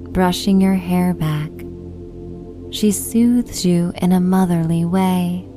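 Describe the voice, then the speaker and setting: Very slow, soothing woman sleep story narrator. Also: on the low side. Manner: soothing, hushed, unhurried guided relaxation delivery.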